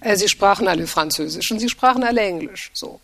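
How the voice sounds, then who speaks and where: A woman's voice: mid-range voice, quick pace, vocal fry. A middle-aged woman translator, native French speaker raised in Germany, speaking in a reflective, conversational way with frequent restarts. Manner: reflective, many restarts and repeated words. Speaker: translator and editor, guest. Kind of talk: thoughtful conversational interview.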